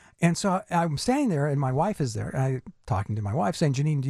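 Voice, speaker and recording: A man's fairly high, somewhat breathy voice with a dark, mellow tone, lively intonation and a very fast pace, in a very clean recording with a silent background. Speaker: cartoonist. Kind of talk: radio interview. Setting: studio. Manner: animated.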